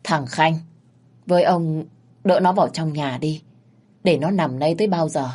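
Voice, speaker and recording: A woman's voice: low voice, moderate pace, a little mellow. Woman doing a bossy scolding wife of the house. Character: enraged middle-aged wife of the house.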